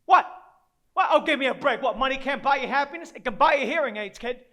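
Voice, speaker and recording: A man's voice: extremely high pitch, fast talker, pushed and bright. An actor playing a down-and-out grieving father, self-loathing and desperate, rambling in streetwise, profane dramatic monologue. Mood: wry, coaxing. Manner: rambling, profane, streetwise, talking to an unseen child.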